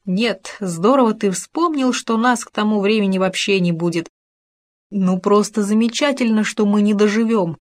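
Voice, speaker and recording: A woman's voice: medium pitch, normal speed, lightly acted. Small bold hamster, eager questions, storybook reading, voiced by a woman. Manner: lively and eager.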